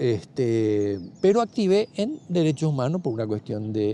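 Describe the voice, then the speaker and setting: The speaker talks at a very slow pace while the pitch swings very widely up and down. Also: man. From Paraguay, raised partly in Buenos Aires. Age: 60s. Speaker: former political activist, human rights campaigner. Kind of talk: testimony.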